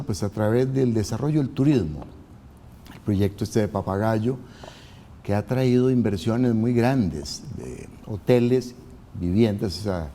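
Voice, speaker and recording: A man in his seventies from Costa Rica, answering interview questions in a calm, measured way. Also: lowish voice, slight background noise. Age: 70s. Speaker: guest.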